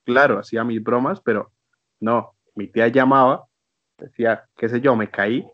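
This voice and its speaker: A man's voice: mid-range voice, fairly even intonation, moderate pace, dry recording, highs cut off. A man, hosting a podcast in a casual, joking way. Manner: joking, teasing. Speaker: podcast host. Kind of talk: casual chat.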